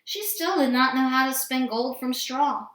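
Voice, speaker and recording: A woman reading a fairy tale aloud to children in an expressive storytelling style. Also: high voice, normal speed. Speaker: storybook reader. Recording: roomy indoor echo.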